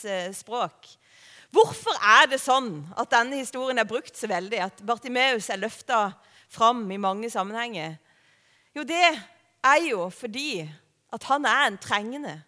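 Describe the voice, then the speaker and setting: A woman preaching a sermon in a conversational way, often asking the listeners questions. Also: on the high side. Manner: conversational, warm-hearted preaching with rhetorical questions. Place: church hall. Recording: long hall reverb.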